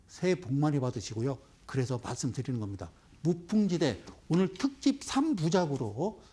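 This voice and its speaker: A man's voice: a little high, darkish tone. A man giving investment broadcast commentary, scolding viewers with rhetorical questions. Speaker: stock market commentator.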